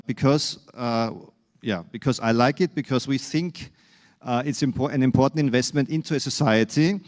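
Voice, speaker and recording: A man from Austria with an Austrian accent giving a conference keynote, halting with many fillers and restarts, and wry self-deprecating humor. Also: mid-range voice, a little mellow. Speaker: keynote speaker.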